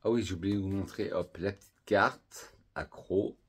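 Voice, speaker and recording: A man from France reviewing perfumes in a casual vlog, calmly and unhurriedly listing scent notes one by one. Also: low voice, normal speed, breathy edge.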